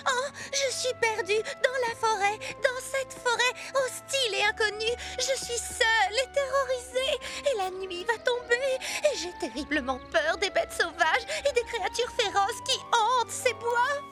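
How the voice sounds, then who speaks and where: A woman's voice: very high-pitched, unhurried, few pauses. A woman voicing a theatrical young girl in a children's cartoon, declaiming melodramatically like an amateur stage actress. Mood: melodramatic distress. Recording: music playing behind the voice. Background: music.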